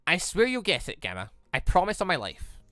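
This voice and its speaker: A man voicing an earnest, anxious, tender-hearted young android girl in a visual novel, halting and emotional. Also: high-pitched, huge pitch swings, pushed and bright, dry recording, faint music behind, full character voice. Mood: pleading, reassuring.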